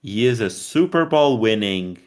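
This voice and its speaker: On a laid-back sports podcast, a co-host from Portugal talks with a lowish, slightly mellow voice that's animated but unhurried. He's blunt, curses, and wanders through long-winded explanations.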